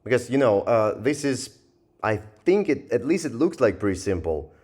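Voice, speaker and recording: A man giving a casual, rambling software review, thinking aloud in a hesitant and sardonic way as he goes. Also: medium pitch, very animated, moderate pace. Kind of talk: casual screen-recorded review commentary.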